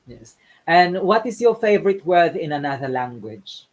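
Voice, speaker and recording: An interview host who talks in a friendly way, asks quick questions and laughs along with the guest. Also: medium pitch, animated. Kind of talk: interview hosting.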